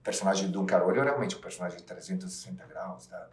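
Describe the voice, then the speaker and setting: A man's voice: deep voice, quick pace, roomy sound. A man who grew up between Italy and Brazil, speaking, telling stories in a casual interview. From half Italian, half Brazilian. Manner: animated, emphatic storytelling. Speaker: actor interviewee.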